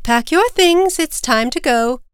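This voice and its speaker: A woman's voice: sits high, expressive, a little slow, smooth, dry recording, studio quality, voice pushed up. A woman voicing a stern, easily upset mother bird in a children's storybook. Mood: brisk, calling.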